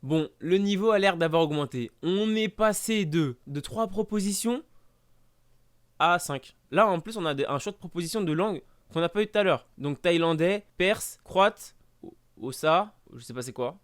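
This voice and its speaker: A man's voice: high-pitched, expressive, normal speed, clear, resonant tone. A young man commenting on a language-guessing game, mock-exasperated and sarcastic. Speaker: gaming YouTuber. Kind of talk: casual let's-play commentary.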